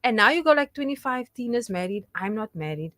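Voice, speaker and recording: Earnest, animated young woman co-host. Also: fairly high pitch, brisk, no echo, studio quality. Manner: earnest, animated, jokes and laughs easily. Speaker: radio co-host. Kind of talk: casual studio radio chat. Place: radio studio.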